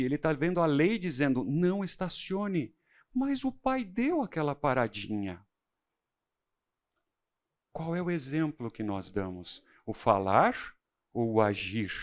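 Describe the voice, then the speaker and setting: A middle-aged man teaching a church Bible class, preacherly and emphatic, mixing personal stories with rhetorical questions. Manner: preacherly, emphatic, shifting between low intensity and loud stress.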